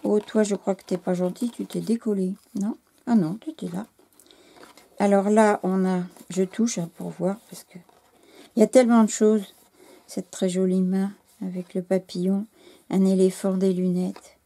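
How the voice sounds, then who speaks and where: A French woman hosting a scrapbooking channel, gushing in casual chat to camera, halting and losing her words, her voice going hoarse. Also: medium pitch, little pitch movement, dark tone.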